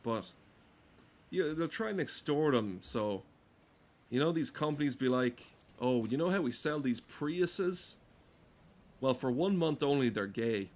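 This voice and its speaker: A man's voice: mid-range voice, animated, a little slow. A man giving crude, comedic, rambling commentary while playing a game, swearing often. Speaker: gamer talking over gameplay.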